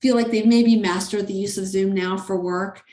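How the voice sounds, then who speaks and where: A woman podcast host in a casual interview, enthusiastic but soft-spoken, trailing off as she thinks. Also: mid-range voice, steady tone, moderate pace, echoey room.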